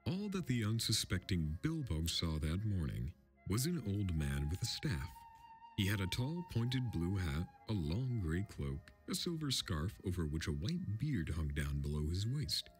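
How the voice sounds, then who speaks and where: A man narrates a storybook from a script in a lowish voice. His delivery is highly animated in pitch, and music plays underneath him throughout. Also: measured pace. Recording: film score music underneath.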